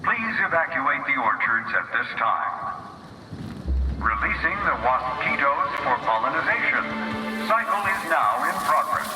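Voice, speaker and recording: A man voicing a calm, corporate factory loudspeaker announcer reading formal warnings over a public address system. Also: mid-range voice, unhurried, recorded from a distance, heavily acted. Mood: announcing. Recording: echoey loudspeaker heard from afar over game music.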